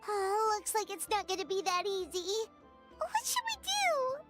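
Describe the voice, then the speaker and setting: Squeaky, excitable little game companion. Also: female voice, unhurried, faint music behind, full character voice. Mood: worried, curious. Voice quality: squeaky, very high childlike voice. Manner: exclamatory, chirpy questioning. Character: tiny childlike floating companion, excitable and plucky. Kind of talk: video game voice acting.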